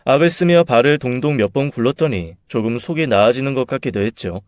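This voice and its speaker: A young man narrating his own story in a measured, bitter, confessional way. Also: mid-range voice, dry recording.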